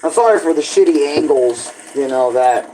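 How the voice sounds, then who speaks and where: In a rough recording with a bit of hiss or hum, a young man chats from his home kitchen into a tablet propped nearby, rambling with many fillers. His fairly high, warm voice has lively intonation and a moderate pace, with a froggy quality creeping in at times.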